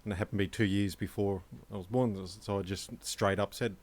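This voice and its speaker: A man's voice: lowish voice, fairly even intonation, brisk, a little mellow. A man with an Australian accent telling laid-back, matter-of-fact anecdotes in a casual podcast chat. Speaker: podcast co-host.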